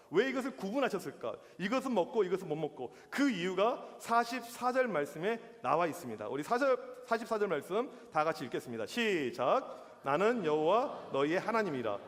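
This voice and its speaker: A male youth pastor preaches in a high, very lively voice, telling stories and acting out the reactions in them. His voice rings with a long reverb from the church hall. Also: fairly quick. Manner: animated storytelling with acted-out reactions. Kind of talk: sermon.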